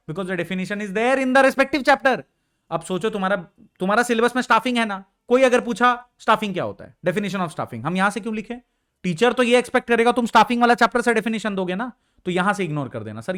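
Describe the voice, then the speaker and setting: A man's voice: high voice, a bit bright. A young man teaching an exam revision lecture in a casual explaining way, asking his students questions. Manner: casual explaining, mixing Hindi and English, asks students questions.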